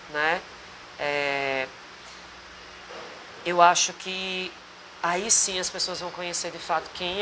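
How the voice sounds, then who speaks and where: A man's voice: high-pitched, bright, forceful tone, a little hiss or hum, poor audio. A man with a Potiguar accent from northeastern Brazil, a singer and actor talking earnestly in a rambling interview with many restarts. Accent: Potiguar Brazilian Portuguese. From Rio Grande do Norte, Brazil. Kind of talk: casual interview chat. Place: bar.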